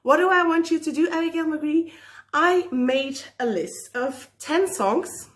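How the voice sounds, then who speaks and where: Woman, kinda high voice, chatty teacher with lots of ums. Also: measured pace. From Belgium. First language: Dutch. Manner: friendly, chatty, lots of ums and small laughs. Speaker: teacher, guest creator. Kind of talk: casual video message.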